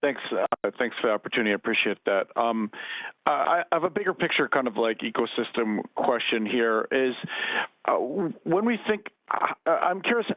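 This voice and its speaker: A dry, narrow phone connection carries a man's medium-pitched voice. He asks a question as a financial analyst on an earnings call, hesitating and restarting often. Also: big pitch swings, moderate pace, dry recording. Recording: dry, tinny phone line.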